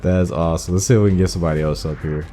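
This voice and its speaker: A man's voice: low voice, steady tone, very fast, warm tone. A man giving casual gameplay commentary as a video host, informally thinking aloud as he plays. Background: game music.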